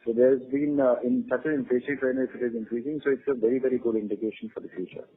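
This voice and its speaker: A man speaking as a company executive, giving halting, measured, unscripted answers on an earnings call over the phone. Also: mid-range voice, steady tone, breathy edge. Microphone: phone conference line. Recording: tinny phone-line conference call.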